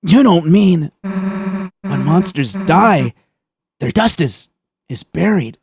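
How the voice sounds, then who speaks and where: A man's voice: sits high, expressive, a little mellow, voice pushed up, heavily acted. Susie, a man doing a brash monster girl. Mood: gruff, puzzled. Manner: blunt, swears, slow gruff delivery. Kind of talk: voicing game dialogue on stream.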